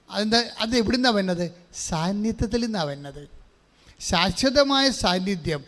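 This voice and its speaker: A man preaches with a high, ringing voice that trails off into long reverb in a big church hall. He keeps asking the congregation questions and has them repeat verses back to him. English phrases slip into his sermon. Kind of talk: sermon with call-and-response.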